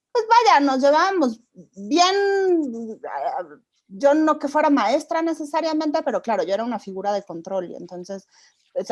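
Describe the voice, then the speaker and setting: A woman, a film producer speaking in a relaxed, reflective way with many restarts. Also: on the high side, no echo. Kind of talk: conversational talk at a seminar.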